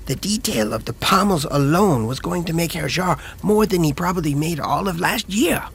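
A man's voice: a little high, expressive, normal speed, creaky, slightly rough, pitched above the performer's own voice, exaggerated voice. A man voicing a short, earnest young male apprentice who explains things eagerly. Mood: explaining.

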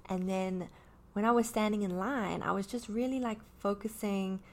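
A woman in her early thirties talks candidly about her own anxiety, rambling with plenty of fillers and restarts. Her voice is medium in pitch and her speed is normal.

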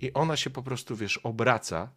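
A man's voice: medium pitch, moderate pace, pushed and bright, husky. A young man acting as game master, narrating a tabletop game with vivid, dramatic scene descriptions.

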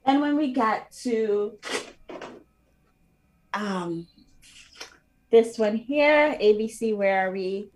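A woman's voice: fairly high pitch, lively intonation, drawn-out words, pauses often, a little mellow, slight background noise. Earnest woman describing her books. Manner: earnest, many fillers and restarts. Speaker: children's book author. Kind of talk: casual interview talk.

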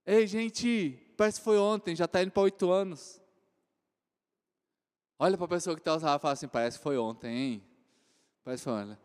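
A man in his forties with a Brazilian accent preaching a sermon, swinging from loud exclamations to soft joking asides. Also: high-pitched, animated, unhurried, pauses often. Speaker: pastor. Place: church hall. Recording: reverberant church hall.

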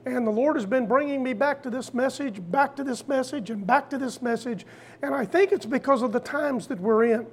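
An older preacher delivering a sermon in a folksy storytelling way, repeating phrases deliberately for emphasis. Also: high-pitched, a little hiss or hum.

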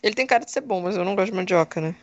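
A woman's voice: medium pitch, lively intonation, very fast. A woman with a Brasília accent chatting casually in a teasing, assertive way. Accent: Brasília Portuguese. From Brasília, Brazil. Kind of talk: casual chat.

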